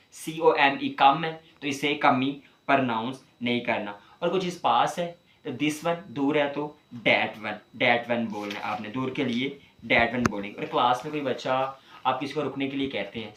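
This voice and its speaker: A man, a tutor teaching spoken English to students at home, patiently repeating words slowly for practice. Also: medium pitch, fairly bright tone. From Pakistan. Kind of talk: classroom teaching, explaining pronunciation. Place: room in a home during home tuition. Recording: echoey room.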